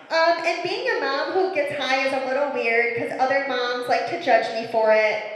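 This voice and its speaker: A woman in her thirties doing a stand-up comedy set on a club stage, with a deadpan, self-mocking way of telling stories into a handheld mic. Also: sits high, slight background noise. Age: 30s. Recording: echoey club room with long reverb.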